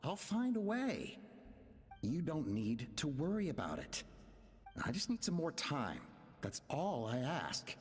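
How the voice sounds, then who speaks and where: A woman's voice: sits low, wildly swooping pitch, takes it slowly, darkish tone, exaggerated voice. A woman voicing a troubled young woman in a video game, pleading earnestly in a dramatic style. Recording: long reverb, distant echo.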